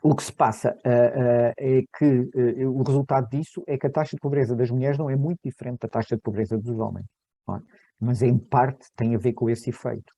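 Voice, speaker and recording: A man in middle age presents his research at an academic seminar, his voice very dark and warm. He stumbles and restarts often, repeating small words before pressing on. The sound is dry and close, with no room around it. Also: mid-range voice, steady tone, fairly quick, dry recording.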